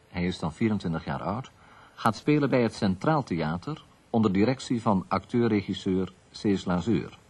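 Male radio narrator, somewhat low and rough-edged, reading biographical script formally and evenly paced. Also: darkish tone.

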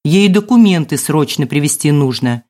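A woman's voice: deep voice, expressive, normal speed, warm tone. A woman reader voicing a gloomy, stern tall man in black in an audiobook. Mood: sullen. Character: sullen tall male thug.

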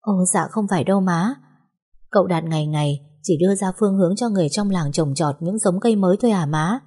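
A woman voicing a gentle young wife, speaking softly and politely. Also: lowish voice, fast, breathy edge. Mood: pleading. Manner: soft, polite, pleading.

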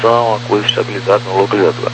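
A man's voice: lowish voice, little pitch movement, rapid-fire, over music. A Brazilian man working as an air traffic controller, giving terse, procedural instructions over a walkie-talkie style radio. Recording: noisy humming aviation radio transmission.

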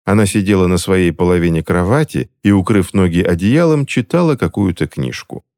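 Deep-voiced, expressive male narrator. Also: a little fast. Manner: expressive, theatrical reading. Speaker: audiobook narrator. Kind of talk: scripted narration.

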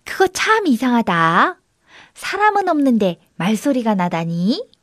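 A woman's voice: a little high, sing-song, a little slow, a bit bright, no echo, studio quality, heavily acted. A woman voicing a small white talking goat that repeats everything it hears in a raised, childlike voice. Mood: mimicking.

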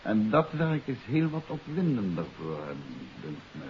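An actor playing a composed, astute amateur detective in a 1950s radio drama, speaking in a measured, confident, matter-of-fact way. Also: male voice, mid-range voice, big pitch swings, lightly acted. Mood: assured. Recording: dull, hissy 1950s radio recording.

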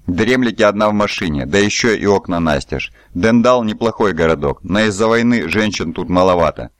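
A calm, self-assured stranger speaks in an easy, disarming way, read by a deep-voiced man. The low voice sits close and dry, with no room around it, and the tone stays unhurried. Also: dry recording, close to an everyday voice.

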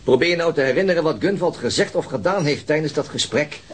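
An actor playing an earnest, persistent lead police detective in a radio drama, probing and serious. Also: male voice, a little high, fast talker, slight background noise, lightly acted. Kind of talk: naturalistic Dutch radio drama acting.

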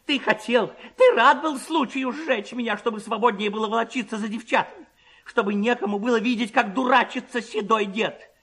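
A man voicing an angry, sharp-tongued peasant sister-in-law in a literary reading, scolding indignantly and emphatically. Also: very high voice, normal speed, husky, pitched above the performer's own voice, full character voice. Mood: furious, scolding.

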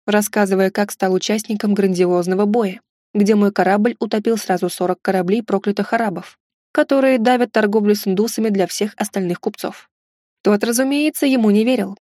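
Woman, audiobook narrator, mid pitch, steady, dry close recording. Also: no echo. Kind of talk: scripted narration.

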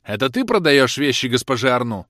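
A man's voice: medium pitch, sing-song, fairly quick, fairly bright tone, dry recording, clean studio sound. A man voicing a jealous, furious young man who hurls accusations at his lover in a raised, scornful voice. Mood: angry. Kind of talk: audiobook character reading.

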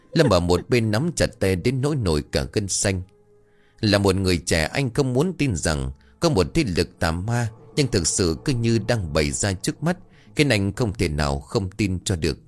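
A man narrating a scripted horror story in a dramatic, expressive way. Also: low voice, moderate pace. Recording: faint background music.

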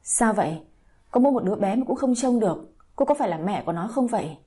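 A woman's voice: expressive, normal speed, mellow, slightly rough. A woman voicing an anxious grandmother in an audio story, scolding sharply and then tearful. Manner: shrill, scolding.

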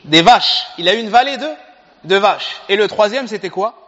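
High-voiced preacher telling a story. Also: male voice, moderate pace. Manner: animated, asks the audience questions. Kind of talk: sermon storytelling. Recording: reverberant hall, dull sound.

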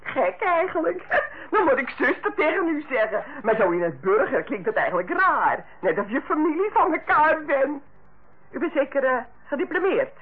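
Garrulous household help, tinny old recording. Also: female voice, high-pitched, very animated, moderate pace. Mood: nosy, chatty. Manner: folksy, garrulous, hesitant when embarrassed. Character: chatty, blundering, good-natured working-class household help. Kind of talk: old radio play acting.

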